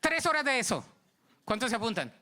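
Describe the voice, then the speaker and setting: Bright, high Colombian preacher man. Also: fairly quick. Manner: storytelling, acting out dialogue, animated. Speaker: pastor. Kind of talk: sermon.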